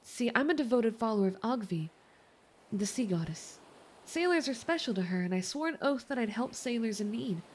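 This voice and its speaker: A woman playing a kind, reassuring young mermaid in an ASMR roleplay, chatty, gentle and earnest. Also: fairly high pitch, animated, moderate pace.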